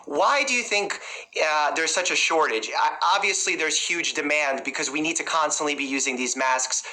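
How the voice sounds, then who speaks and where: Bright-voiced man asking questions. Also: fairly high pitch, moderate pace, rough recording. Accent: New York. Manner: prepared, methodical questioning. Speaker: family doctor interviewer. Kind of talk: interview questions.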